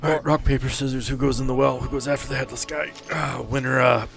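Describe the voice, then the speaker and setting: A man with a mid-pitched voice plays a tabletop game over faint music. He talks in casual, joking banter and swears freely. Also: steady tone, fast, vocal fry. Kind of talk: casual banter among players. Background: faint background music.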